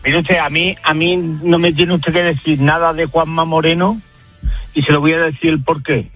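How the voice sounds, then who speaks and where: A man's voice: a little high, level tone, moderate pace, a bit bright, soft background music. An older man speaking insistently on a recorded phone call, with earnest, stumbling phrasing. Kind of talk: emotional phone testimony.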